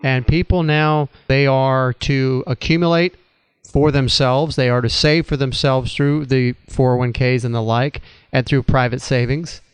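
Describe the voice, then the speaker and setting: Male host, measured and thoughtful, crisp dry voice. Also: mid-range voice, no room sound. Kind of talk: conversational interview on retirement finance.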